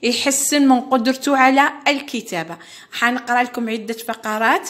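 A woman speaks with an Algerian accent at a high pitch. Her pace is moderate and her intonation fairly even. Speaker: primary school teacher. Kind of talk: tutorial. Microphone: phone near.

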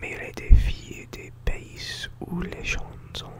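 The whispering is very slow. Noticeable background noise can be heard. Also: man. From United States. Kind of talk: book reading. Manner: whispered.

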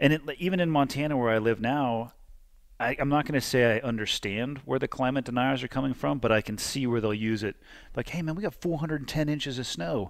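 Over a very clean recording with a silent background, a man uses a normal speaking voice at a medium pitch and a fairly quick pace, with ordinary pitch variation. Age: 40s. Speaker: podcast host, former military pilot and skydiver. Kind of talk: casual interview chat; read ad.

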